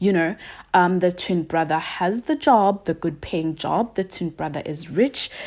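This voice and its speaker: This is a woman speaking at a medium pitch. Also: very clean recording, silent background. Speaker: YouTuber. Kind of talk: casual commentary vlog.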